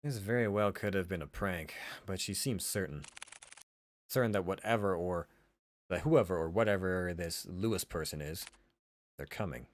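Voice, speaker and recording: Man, fairly low voice, visual novel narration, informal self-correcting reader. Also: moderate pace. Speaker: host reading a visual novel aloud.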